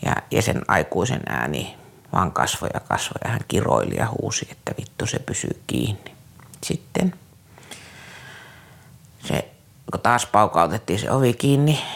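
A man, a former youth care counselor, telling a personal story in an interview in a halting, earnest way, often restarting his sentences. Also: fairly low pitch, gravelly.

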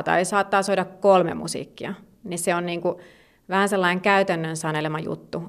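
A woman's voice: lowish voice, gravelly. A woman speaking as an expert in a conversational interview, explaining at length with many fillers and restarts. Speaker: gymnastics federation expert.

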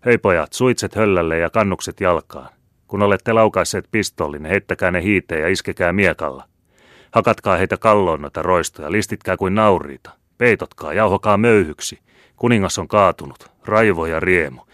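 A man's voice: deep voice, a bit bright, no room sound, studio quality. A man voicing a delirious wounded cavalryman who curses and bellows battle orders in an audiobook. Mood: raving, bellowing. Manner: bellowing, cursing, raving.

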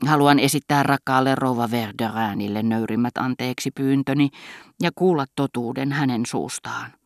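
A woman's voice: rumbling low, no echo, clean studio sound. A woman reading the part of a timid doctor's wife who mumbles, flustered after dozing.

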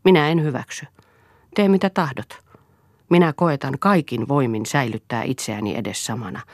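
A woman's voice: a bass voice, darkish tone, no echo, clean studio sound. A woman reading a firm, defiant wife. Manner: firm, resolute. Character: defiant, steadfast wife standing her ground.

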